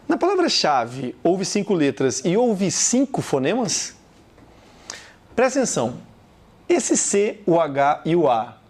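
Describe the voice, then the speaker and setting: A man with a Brazilian Portuguese accent teaching a recorded video lesson, talking straight to the viewer and repeating example words slowly. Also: fairly high pitch, a little mellow.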